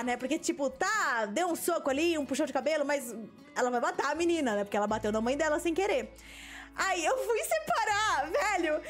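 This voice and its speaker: High, lively Brazilian woman storyteller. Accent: Brazilian Portuguese. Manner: animated, laughing storyteller who acts out quotes. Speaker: gaming video host. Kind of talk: casual storytelling while playing a game.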